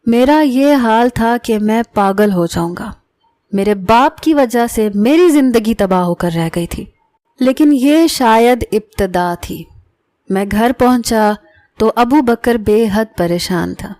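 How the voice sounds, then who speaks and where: A woman narrating an emotional family story in the first person, in a steady, earnest storyteller manner. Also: a little high, no room sound.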